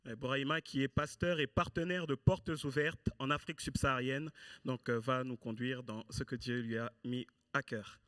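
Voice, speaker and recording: A man presents at a church service, handing over to a guest speaker. His delivery is earnest and a little halting, with a medium-pitched voice and a very dry, close sound. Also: fairly even intonation, fairly bright tone, no room sound.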